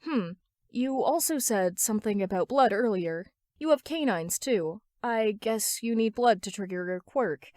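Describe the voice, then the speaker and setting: A woman's voice: medium pitch, animated, a little slow, dark tone, no room sound, clean studio sound, natural voice. A woman voicing a mild, busy teenage boy barista in a story reading, hesitant and sometimes stammering. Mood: curious.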